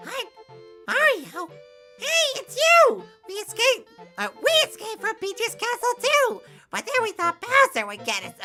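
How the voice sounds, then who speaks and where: A woman's put-on character voice, extremely high in pitch, at a moderate pace over faint background music. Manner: put-on, strained voice.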